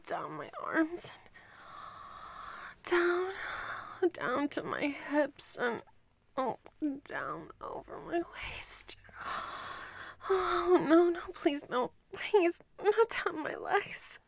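A woman voicing a proud, resentful young female starship ensign, speaking in a breathy, often whispered voice and stammering as she pleads. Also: sits high, sing-song, very slow, pauses often, a bit bright, heavily acted. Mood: pleading. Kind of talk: audio roleplay acting.

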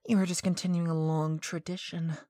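A woman performing a scripted hypnotic monologue as a domineering mistress, sweet yet stern, with commanding, deliberate delivery and some breathy whispered phrases. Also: fairly low pitch, little pitch movement, warm tone, no echo.

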